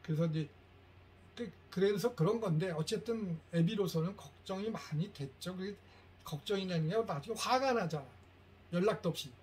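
A middle-aged man giving a lecture to parents, telling stories and acting out quoted lines with lively shifts. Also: high-pitched, normal speed. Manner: animated storytelling, acts out quoted lines.

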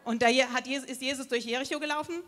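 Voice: sits high, fairly even intonation, a bit bright. An interpreter rendering a sermon live, phrase by phrase, copying the preacher's emphasis. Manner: quick, echoing the preacher's emphasis. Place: church hall stage. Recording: long reverb of a large hall.

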